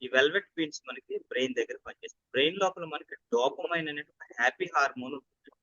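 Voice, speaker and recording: A man's voice: a little high, quick pace, sharp tone, dry recording, lo-fi sound. A man speaking politely and deferentially as a co-presenter.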